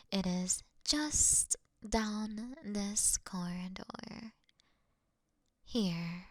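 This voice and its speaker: Slow, breathy vampire mistress, played by a woman. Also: medium pitch, no echo, clean studio sound. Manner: breathy, often whispered, refined and unhurried. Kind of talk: intimate roleplay audio drama, ASMR-like.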